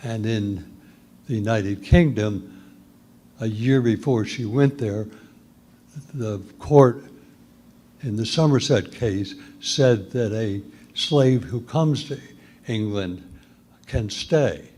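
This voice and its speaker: Slow, low-voiced man asking a question. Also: dark tone. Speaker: audience member asking a question.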